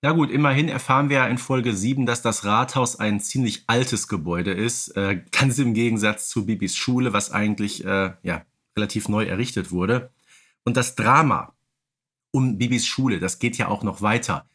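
A man's voice: on the low side, normal speed, a bit bright, slightly rough. A man co-hosting a podcast, talking casually in a humorous, tongue-in-cheek way. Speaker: podcast co-host.

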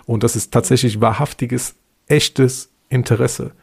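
A man's voice: mid-range voice, steady tone, unhurried, creaky, breathy edge. A man co-hosting a podcast in casual, slangy talk, often stammering over the starts of his words. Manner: informal, slangy, stammering repeated word starts. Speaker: podcast co-host.

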